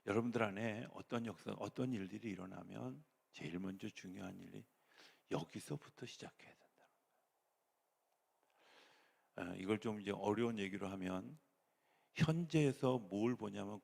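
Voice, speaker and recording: Middle-aged male pastor, gravelly and husky, preaching in a big reverberant church. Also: fairly low pitch. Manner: animated preaching, swings between raised voice and near-whisper. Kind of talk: sermon. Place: church sanctuary.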